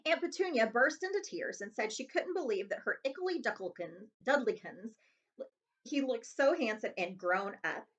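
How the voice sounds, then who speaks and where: A woman librarian reading a children's novel aloud in an expressive storytelling style. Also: on the high side, normal speed.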